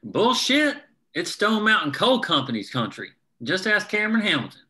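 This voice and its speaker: A man's voice: high-pitched, wildly swooping pitch, moderate pace, pushed and bright, heavily acted. A man reading the part of a blunt, plain-spoken union coal miner in a drama table read. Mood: angry, defensive.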